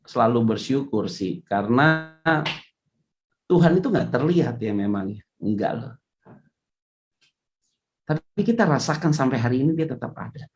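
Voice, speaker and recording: A woman's voice: low-pitched, a little mellow. A woman pastor, preaching a casual sermon in a chatty way, with joking asides.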